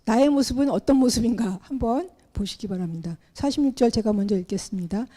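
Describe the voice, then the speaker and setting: A middle-aged woman preaching a sermon in an animated way, acting out the Bible characters as she tells their story. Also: on the high side, fairly quick. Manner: animated, acts out the Bible characters in her telling.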